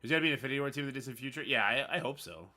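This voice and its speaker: A man from Newfoundland with a Newfoundland accent, hosting a casual livestream. He reads on-screen text aloud haltingly and chats with his viewers. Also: mid-range voice, bright, forceful tone. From Newfoundland, Canada. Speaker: livestream host.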